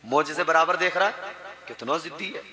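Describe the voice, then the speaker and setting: A man's voice: a little high, a little fast. A man preaching to a gathering, telling a religious story with dramatic voiced dialogue and humorous asides. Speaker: Islamic preacher. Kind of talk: sermon storytelling. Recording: live crowd at a religious gathering. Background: crowd.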